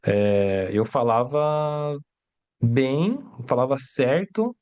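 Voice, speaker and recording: Very slow and expressive, this mid-range male voice has a darkish tone, and the audio sounds dull. He teaches Mandarin on a livestream in Portuguese, a second language for him, explaining step by step, asking rhetorical questions, and often adding "né?" and "tá?" to check in.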